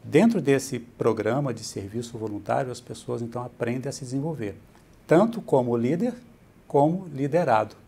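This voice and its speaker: Speaking at normal speed in a husky, mid-range voice with vocal fry, a middle-aged Brazilian-accented bishop answers interview questions with steady, patient explanations, often adding "né". The setting is a bright furnished room indoors.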